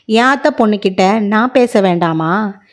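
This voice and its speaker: A cheeky younger brother from a read-aloud story, bantering and teasing, voiced by a woman narrator. He speaks in a light, joking way at a slow pace. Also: medium pitch, expressive, lightly acted.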